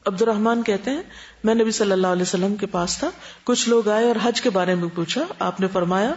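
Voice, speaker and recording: A woman giving a religious lecture as an Islamic teacher, explaining step by step and checking that listeners follow with quick questions. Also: mid-range voice, fairly even intonation. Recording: dull lo-fi recording.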